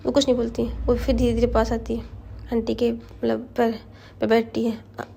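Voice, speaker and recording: High-voiced woman storyteller. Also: monotone, normal speed, vocal fry, warm tone, a little hiss or hum. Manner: chatty asides to the listener. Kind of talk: casual storytelling narration.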